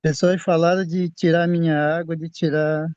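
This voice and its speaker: Older Brazilian man giving a halting testimony. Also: a little high, flat delivery, a little mellow, clear, resonant tone, no room sound. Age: 60s. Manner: halting, repeats and restarts words. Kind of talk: personal faith testimony. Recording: dull lo-fi sound.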